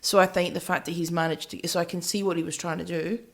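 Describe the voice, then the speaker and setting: A woman co-hosting a music podcast, chatting casually in a measured way as she weighs both sides. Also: on the low side, fairly even intonation.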